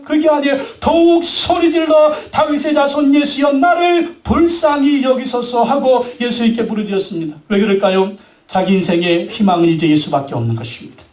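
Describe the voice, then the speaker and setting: A pastor delivers a dramatic sermon, acting out pleading cries and scolding crowds as he preaches. His voice sits very high for a man. The recording is roomy and distant, with the mic set away from him in the church. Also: a little mellow. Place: church sanctuary.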